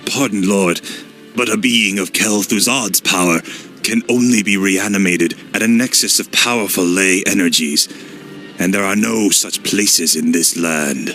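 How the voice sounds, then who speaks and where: A servile cult acolyte explains matters politely to his lord. His fairly low voice carries a sharp, tense brightness over faint game music. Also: unhurried, poor audio. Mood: deferential. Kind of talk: video game cutscene acting.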